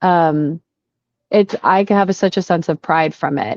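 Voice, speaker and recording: In a normal speaking voice, a woman speaks at a fairly slow pace and a fairly low pitch with fairly even intonation. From Connecticut, US, Puerto Rican family. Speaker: news show co-host. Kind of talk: casual chat.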